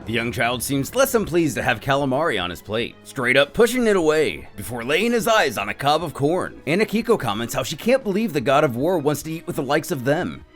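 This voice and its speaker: A man's voice: fairly high pitch, sing-song, a little fast, few pauses, fairly bright tone. A man giving dramatic, scripted narration as he recaps a comic story. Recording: music behind the voice.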